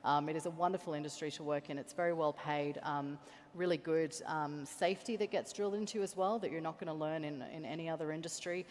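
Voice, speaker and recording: A woman engineer on a panel, speaking candidly and enthusiastically, often pausing with ums. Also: deep voice. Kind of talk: panel discussion. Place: large conference hall. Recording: long reverb of a conference hall.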